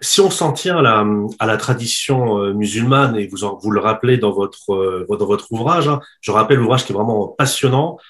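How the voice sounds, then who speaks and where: A man's voice: on the low side, animated, normal speed, hardly any pauses, a bit bright. A man hosting an interview, quoting the guest's book and rephrasing as he builds long questions. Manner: quotes the book, rephrases as he asks. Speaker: interview host.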